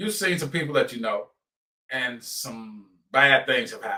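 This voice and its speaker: This man talks at a fairly slow pace. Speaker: motivational speaker. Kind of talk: motivational talk. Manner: loud; animated.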